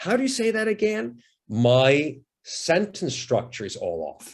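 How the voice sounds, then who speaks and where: A somewhat breathy voice with very wide pitch swings. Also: man. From Switzerland. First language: Swiss German. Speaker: actor. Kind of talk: interview. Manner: halting.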